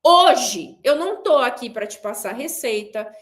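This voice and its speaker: High-voiced emphatic woman coach. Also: lively intonation, unhurried, a bit bright. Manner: emphatic, repeats a punchline in a clipped drop. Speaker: weight-loss coach hosting a pre-event class. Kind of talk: online class talk to viewers. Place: seated indoors.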